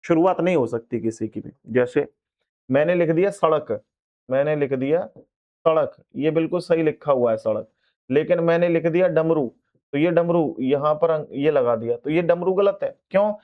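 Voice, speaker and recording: A man's voice: fairly high pitch, animated, moderate pace. Man teaching Hindi spelling in a lo-fi recording. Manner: repeats each word several times, checks in with "ठीक है" and "भाई"; casual, conversational teaching. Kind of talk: online exam-prep lesson.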